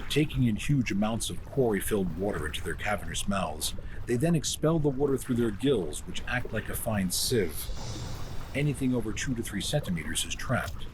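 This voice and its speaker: A man giving scripted nature documentary narration in a measured, dramatic way, with grand descriptive phrasing. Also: lowish voice, big pitch swings, noisy background. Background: music behind the voice.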